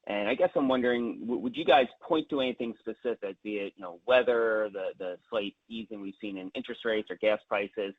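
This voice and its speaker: A man's voice: on the low side, brisk, few pauses, no room sound. A man, a financial analyst, putting tentative, hedged questions to executives on a conference call. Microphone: phone. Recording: tinny narrow-band phone line.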